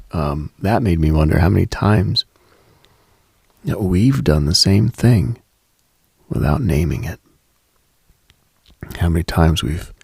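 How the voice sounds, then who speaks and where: A man hosting late-night radio with a slow, reflective monologue, measured and contemplative with deliberate pauses. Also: deep voice, vocal fry, a little mellow, slightly rough, dry recording.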